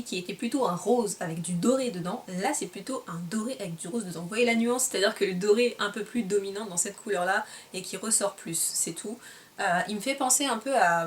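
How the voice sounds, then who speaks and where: Woman beauty vlogger, mid pitch, chatty review that hunts for words, voice a touch far from the mic with faint hiss. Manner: chatty, searching for words, self-correcting. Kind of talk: casual product review.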